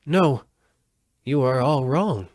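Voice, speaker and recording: A man's voice: medium pitch, expressive, takes it slowly, darkish tone, no echo, studio quality, voice pushed up. A man reading a storybook aloud, voicing a meek, cowardly little old humbug wizard with a trembling, pleading voice. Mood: meek, hushed.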